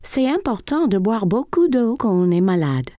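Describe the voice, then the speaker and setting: A woman playing a gentle, attentive mother of a small boy in a children's cartoon. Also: mid-range voice, sing-song, normal speed, no room sound, clean studio sound, natural voice. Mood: caring, reassuring.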